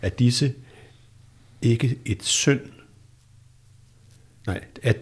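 A man's voice: medium pitch, breathy edge. A man reading blind, seductive Salome. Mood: pleading. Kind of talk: amateur read-through of a dialogue.

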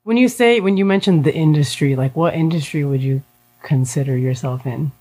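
A woman's voice: deep voice, fairly quick, mellow, slightly rough, low-quality recording. A woman interviewing in a casual chat, listening closely and replying in brief affirmations and simple questions.

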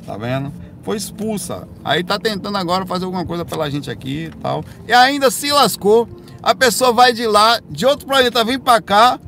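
A man with a slightly higher voice chats loosely on a live stream, often correcting himself mid-sentence. He rambles and then breaks into animated bursts. Music plays clearly behind him. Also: normal speed. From Brazil, raised in Bahia. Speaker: livestream host answering viewer questions. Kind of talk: casual live chat reading comments.

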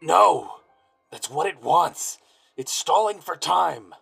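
Noir audio drama: bitter private eye, husky low voice, gruff intensity, light music bed. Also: male voice, animated, slow, a bit bright, exaggerated voice. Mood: desperate. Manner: gruff, intense, hard-boiled. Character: down-on-his-luck gumshoe, stubborn, bitter, gruff.

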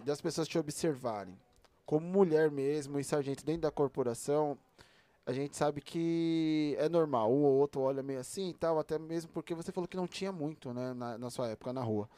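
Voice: mid-range voice, moderate pace, mellow, smooth, no room sound. Laid-back podcast host, chatty questions, dry mic. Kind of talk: casual interview questions.

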